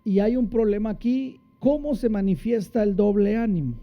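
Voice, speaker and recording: A man preaching a sermon, asking the congregation questions and answering them, acting out quotes with big swings in his voice. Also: moderate pace. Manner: dramatic, acts out quotes with big pitch swings. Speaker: pastor. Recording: dull lo-fi sound.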